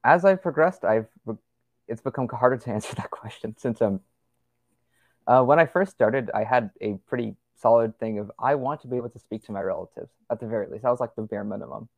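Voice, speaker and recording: A man's voice: medium pitch, a little fast, vocal fry, no echo. A young man as a podcast guest, chatting casually and rambling with lots of fillers and restarts. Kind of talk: casual conversational interview.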